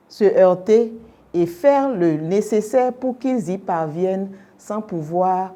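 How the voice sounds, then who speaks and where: A young adult woman, a Yoruba native speaker, answering interview questions as an orientation specialist in a measured, explanatory way with rhetorical questions. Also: on the low side, dark tone. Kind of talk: formal radio interview answers.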